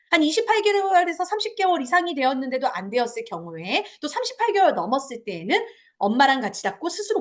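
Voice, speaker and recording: A woman giving a parent education lecture, talking to parents and acting out little dialogues with children. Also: high voice.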